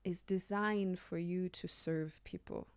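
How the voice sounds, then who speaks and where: A woman's voice: lowish voice, fairly even intonation, takes it slowly, clear, resonant tone, dry recording, studio quality. A woman from Denmark talking earnestly and reflectively as an interview guest, repeating phrases for emphasis and checking in with the listener. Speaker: radio guest, leadership and personal development coach. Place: radio studio.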